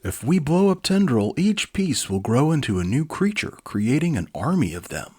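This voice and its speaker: A man's voice: medium pitch, sing-song, normal speed, a little mellow, husky, voice pushed up. A man voicing a confident, boastful weapons expert hero in a children's storybook, speaking emphatically.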